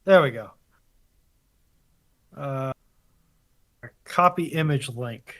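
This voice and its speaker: A man's voice: medium pitch, very slow, a bit bright. A man in casual banter as a live stream panelist, with a wry, joking way of talking.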